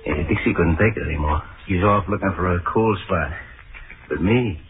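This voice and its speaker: An actor playing a rough, greedy man who catches creatures for a sideshow, in an old-time radio drama, with a gruff, mocking drawl. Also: sits low, normal speed, close to an everyday voice. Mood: gloating. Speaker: Joe, sideshow animal catcher. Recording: tinny lo-fi old radio recording with hiss.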